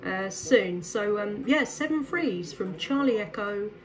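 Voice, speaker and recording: A woman's voice: mid-range voice, lively intonation, measured pace. A woman with an English accent chats casually and a little hesitantly as a friendly CB radio operator. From England.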